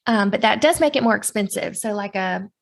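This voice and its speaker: A woman's voice: medium pitch, a little fast, creaky. A woman in her thirties, a candle maker, talking casually in an interview with lots of fillers and easy laughs. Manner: chatty, friendly, frequent fillers and laughs.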